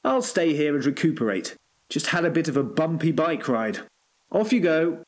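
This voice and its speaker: An actor playing a genial, old-fashioned gentleman writer in a comedy audio drama, speaking chummily. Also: on the high side, very animated, normal speed.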